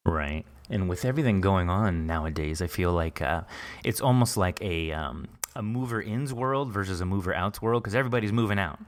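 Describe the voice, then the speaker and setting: Deep-voiced male podcast host. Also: fairly quick. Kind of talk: conversational interview.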